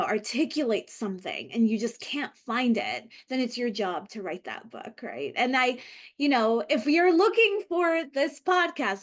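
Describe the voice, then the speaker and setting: A woman who grew up in Los Angeles after coming from Lebanon, co-hosting a podcast in a reflective, hesitant way with many fillers and restarts. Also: a little high. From Lebanon, raised in Los Angeles. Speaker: podcast co-host. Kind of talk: casual conversational podcast.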